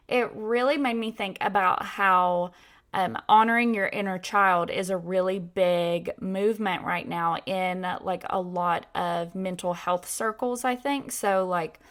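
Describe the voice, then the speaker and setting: A woman's voice: medium pitch, a bit bright. Chatty young woman podcast host. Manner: chatty, lots of "like" fillers. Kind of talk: casual conversational podcast.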